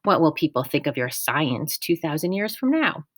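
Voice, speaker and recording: A woman's voice: deep voice, sing-song, normal speed, no room sound, clean studio sound. A woman voicing a mocking, impatient male camp director who scoffs and drawls. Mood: scornful.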